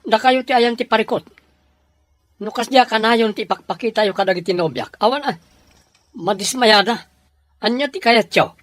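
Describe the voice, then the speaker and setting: An actor playing a proud, defiant young adult son in a radio drama, with a Filipino Ilocano accent. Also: male voice, high-pitched, normal speed, pauses often, a bit bright, dry recording.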